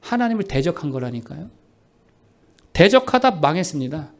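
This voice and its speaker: A male pastor delivers a sermon in a church, his voice set high and swinging widely in pitch. He preaches with animation and acts out the voices of the people he quotes. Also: very animated, normal speed. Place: church sanctuary.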